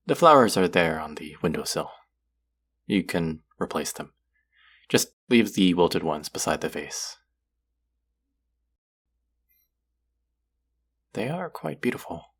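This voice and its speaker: A man playing an aloof, lonely lord of the underworld who is secretly soft, speaking formally and wryly to the listener in an intimate audio roleplay. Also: low-pitched, slightly rough, heavily acted. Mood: reserved, curious. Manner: formal, wry, guarded, addressing the listener directly.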